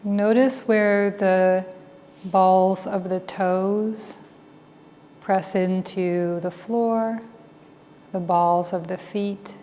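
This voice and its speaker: A woman teaches a guided meditation in a mellow, medium-pitched voice. She is calm and very unhurried, leaving long pauses between short phrases. Her voice carries a long reverb. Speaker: meditation teacher and Buddhist chaplain. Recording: reverberant hall with faint background noise.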